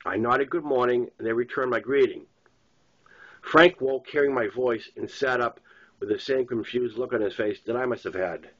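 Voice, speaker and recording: An author with a Boston accent reads his own first-person novel aloud at a moderate pace, his voice medium in pitch. He narrates plainly and stumbles now and then. The recording sounds dull and lo-fi.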